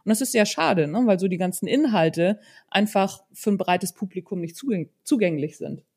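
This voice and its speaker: A woman's voice: medium pitch, moderate pace, darkish tone, husky. A middle-aged woman hosting a conversational interview, speaking in an easy chatty way and often tagging little questions onto her sentences. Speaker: podcast host and non-fiction author. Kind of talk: casual conversational chat.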